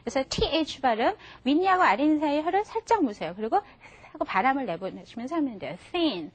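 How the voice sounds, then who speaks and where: Woman teacher, high and bright, lively and patient, models words for the class to repeat. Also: fast talker. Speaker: English teacher. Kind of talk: classroom lesson for adult learners. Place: TV studio classroom.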